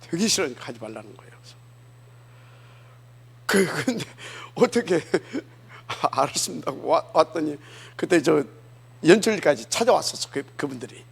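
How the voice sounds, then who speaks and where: Male pastor, sermon, gravelly husky voice, slightly high, chatty rhetorical questions. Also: very animated, normal speed, pauses often. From Jeolla, South Korea. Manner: conversational preaching, rhetorical questions to the congregation. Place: church sanctuary.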